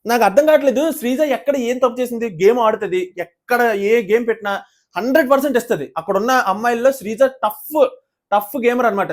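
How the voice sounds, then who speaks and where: A man giving a heated casual review of a reality show, firing off indignant rhetorical questions. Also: very high-pitched.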